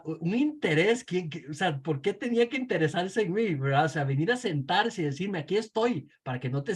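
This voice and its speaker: A man's voice: on the high side, slightly rough. A middle-aged man with a Costa Rican accent, teaching theology in a conversational lecture full of fillers and tag questions. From Costa Rica. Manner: conversational, frequent fillers and "¿verdad?" tags. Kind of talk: lecture with personal anecdote.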